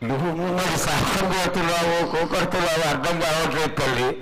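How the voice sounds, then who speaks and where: High-voiced man in reverent ceremonial address. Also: fast talker. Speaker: priest questioning the oracle. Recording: live ceremony with faint background noise.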